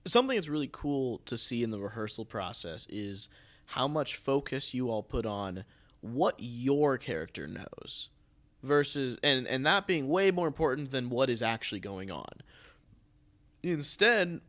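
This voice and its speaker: Guy podcast host, really lively pitch, chatty, restarts his sentences a lot. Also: measured pace. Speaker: podcast host, theatre producer. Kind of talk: casual podcast conversation.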